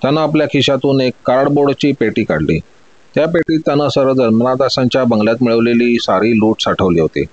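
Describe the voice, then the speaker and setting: A man narrating a story in a steady, measured scripted delivery. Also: medium pitch, dry recording, highs cut off.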